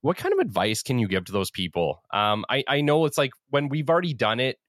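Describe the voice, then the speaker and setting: A man hosting a business podcast, chatting in a relaxed, encouraging way with his guest. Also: medium pitch, a little fast, dry recording, clean studio sound. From Western Canada. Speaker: podcast host. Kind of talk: casual interview chat.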